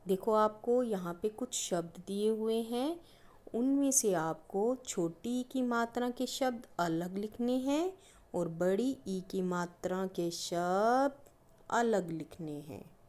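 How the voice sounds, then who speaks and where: A woman teaching young pupils at an unhurried, measured pace. She speaks patiently and draws out every example word so the children can hear each sound. Her voice sits at an ordinary middle pitch. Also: expressive, a little mellow. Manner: slow, drawn-out stressing of each example word. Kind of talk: primary-school grammar lesson.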